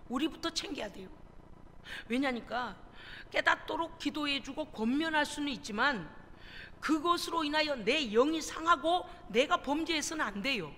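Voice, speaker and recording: A woman's voice: sits high, lively intonation, normal speed, a bit bright. A woman pastor preaching a sermon in a church, earnest and full of rhetorical questions. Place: church sanctuary. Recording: reverberant church hall, faint noise.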